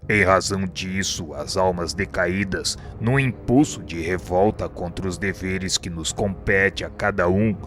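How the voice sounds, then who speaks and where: A man's voice: low-pitched, a bit bright. A Brazilian man voicing a grave, wise spirit mentor in a radio drama, teaching patiently and solemnly. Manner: didactic, solemn, deliberate.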